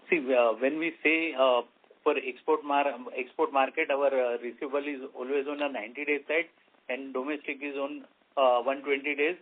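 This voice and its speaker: A man, a finance executive, explaining figures plainly as he answers on an earnings call. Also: medium pitch. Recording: tinny narrowband phone line.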